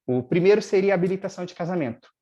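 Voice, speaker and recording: A lawyer speaking as a guest on a live webinar over a video call, explaining procedures step by step and at length. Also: male voice, high-pitched, lively intonation, rapid-fire, warm tone, highs cut off. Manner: didactic, long-winded, stressing key points.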